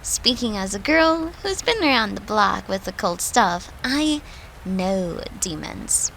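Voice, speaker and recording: A woman playing a gentle, devoted girlfriend who soothes her lover in an intimate comfort roleplay, speaking tenderly and reassuringly in a soft, hushed voice. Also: mid-range voice, sing-song, slow pace, gravelly, a little hiss or hum, heavily acted, poor audio. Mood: fond, reassuring.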